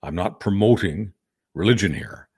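Older Hungarian-born male co-host, low voice, earnest, repeats words as he works toward a point. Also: expressive, normal speed, creaky, a little mellow, husky. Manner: earnest, repetitive restarts. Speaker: podcast co-host. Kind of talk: casual political discussion.

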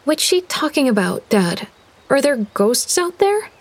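A woman voicing an eerie young girl in a high, hushed, ominous tone. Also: sing-song, unhurried, slightly rough, heavily acted. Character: eerie young girl who senses danger.

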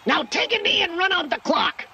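A tiny furry alien coach in a sci-fi audiobook. The voice is extremely high and piercingly bright, with a gravelly growl. He barks scolding orders in swooping, furious bursts. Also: expressive, moderate pace, full character voice. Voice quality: shrill, growly screech.

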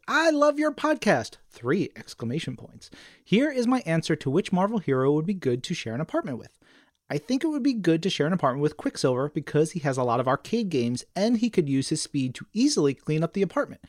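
A man's voice: a little high, sing-song, brisk, dry recording. Enthusiastic man co-hosting, close dry sound. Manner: enthusiastic, conversational. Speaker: podcast co-host. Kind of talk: casual chat and reading listener mail.

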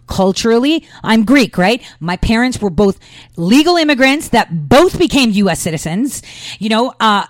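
A woman's voice: on the high side, sing-song, normal speed, no echo, clean studio sound. A woman from the United States giving emphatic political commentary, peppering her talk with fillers and rhetorical questions.

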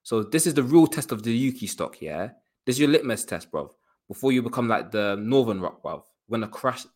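A man's voice: mid-range voice, lively intonation, brisk, a little mellow. A man banters on a podcast panel, his voice swinging widely up and down. He talks in slang and cuts in over the others. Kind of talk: casual banter.

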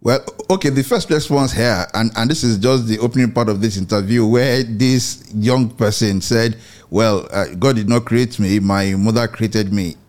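A middle-aged man hosting a Christian radio commentary show, speaking in a measured, earnest way and often repeating his phrases. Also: lowish voice, a little mellow.

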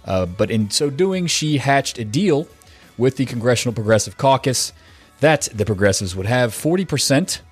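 A man's voice: on the low side, husky. A man hosting a podcast with a casual, rambling manner, his voice stuffed up and nasal from a cold. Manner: rambling, chatty, with fillers and self-corrections. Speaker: podcast host. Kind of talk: casual podcast intro monologue.

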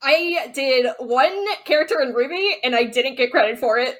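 Female podcast guest, high voice, joking, casual. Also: normal speed, a bit bright. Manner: playful, joking. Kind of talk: casual chat.

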